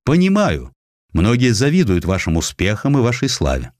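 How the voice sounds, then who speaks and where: A man playing a measured, condescending but approving Russian emperor in a dramatized audiobook. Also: lowish voice, wildly swooping pitch, a little mellow, dry recording, clean studio sound. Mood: measured, appraising. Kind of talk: audiobook character acting.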